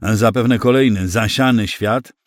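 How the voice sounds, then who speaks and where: Male narrator doing a gloomy admiral, low, heavy and matter-of-fact, dry close sound. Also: a little slow, no echo, natural voice. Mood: grim, explaining.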